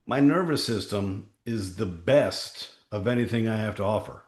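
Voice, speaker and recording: A man with a deep, low voice leads a town hall talk as a company chief. He tells anecdotes in short, emphatic bursts. The sound carries a roomy echo. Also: expressive, moderate pace. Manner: emphatic storyteller, punchy short phrases.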